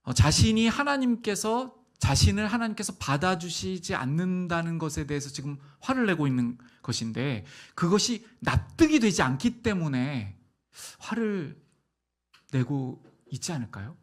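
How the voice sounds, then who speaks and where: A middle-aged male pastor preaching a sermon, asking the congregation rhetorical questions and swinging between soft, quiet phrases and loud, emphatic ones. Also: fairly high pitch, very animated, moderate pace.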